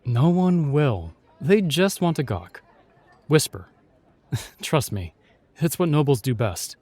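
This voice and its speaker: An actor playing a chivalrous, shyly tender knight in a fantasy audio roleplay, speaking with courtly, reassuring and slightly hesitant phrasing. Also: male voice, a little high, sing-song, slow pace, darkish tone, no room sound, full character voice. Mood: reassuring, wry.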